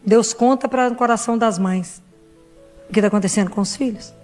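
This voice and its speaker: A woman's voice: on the high side, fairly quick, a little mellow, soft background music. A middle-aged woman preaching a heartfelt sermon to her congregation. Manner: earnest, heartfelt, speaks directly to the congregation.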